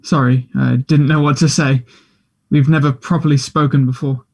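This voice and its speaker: A man's voice: medium pitch, level tone, moderate pace, darkish tone, close to an everyday voice. A man acting a chatty, self-deprecating gay teenage schoolboy in a table read, hesitant, earnest and teasing. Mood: shy, hesitant. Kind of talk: play table read, naturalistic dialogue.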